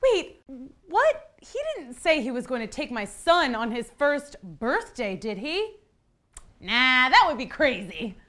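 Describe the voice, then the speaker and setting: A woman's voice: fairly high pitch, sing-song, measured pace, bright, forceful tone. A woman hosting children's stories, narrating a fairytale in the first person with playful, comic, theatrical asides. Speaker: children's story host. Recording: music behind the voice.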